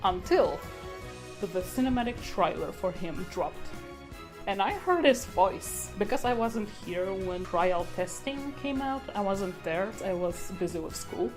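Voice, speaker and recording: A woman's voice: mid-range voice, big pitch swings, unhurried. Young woman chatting over music. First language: Polish. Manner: chatty, rambling, with fillers. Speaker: artist. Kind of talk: casual voice-over commentary. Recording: voice-over with loud background music.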